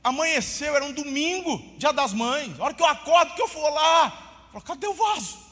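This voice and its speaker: A Brazilian man preaching a sermon as pastor, telling a story with lively swings and shouting at the peaks, often calling listeners brother. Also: very high-pitched, a little fast, long reverb tail.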